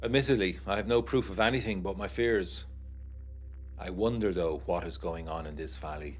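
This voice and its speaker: A man's voice: low voice, normal speed. An actor playing a genteel, uneasy young war veteran narrating his letters in a literary, wryly confiding way for a gothic period audiodrama. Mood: uneasy, brooding.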